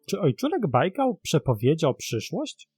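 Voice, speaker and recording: A man's voice: a little high, huge pitch swings, a little slow, a little mellow, breathy edge, dry recording, faint music behind. A man narrating a scripted documentary about mysteries in a dramatic storytelling manner. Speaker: narrator of a mystery web series.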